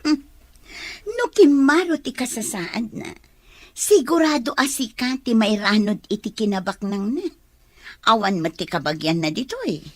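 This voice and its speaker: A woman acts a scheming female confidante in an audio drama. She has an Ilocano accent and a fairly high, prying voice, recorded dry. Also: expressive, normal speed, no echo. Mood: suspicious.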